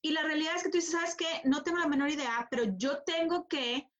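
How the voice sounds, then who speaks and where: High-voiced woman coaching. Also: steady tone, fairly quick, a bit bright, lo-fi sound. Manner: emphatic, repeats phrases for stress. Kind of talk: motivational talk.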